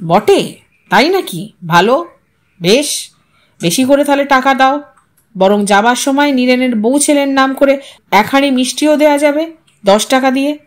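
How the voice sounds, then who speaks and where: A woman's voice: high-pitched, animated, unhurried, long pauses. A woman voicing a stern, angry husband who is short of money, curt and sarcastic, in a dramatised audio story. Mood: bitter sarcasm.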